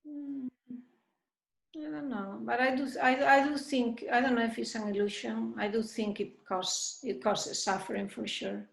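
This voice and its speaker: A middle-aged woman from Spain, answering questions thoughtfully after a dharma talk, with frequent pauses and restarts. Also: fairly high pitch, fairly even intonation, vocal fry. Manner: thoughtful, hesitant, many restarts. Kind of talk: group discussion answer. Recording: roomy echo.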